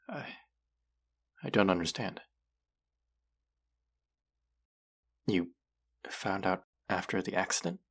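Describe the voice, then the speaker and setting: A man acting an earnest, gently wry thousand-year-old immortal in an intimate audio roleplay, speaking in a hesitant, confiding way. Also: lowish voice, creaky, husky, exaggerated voice. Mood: stunned, anxious. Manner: hesitant, confessional, softly reassuring.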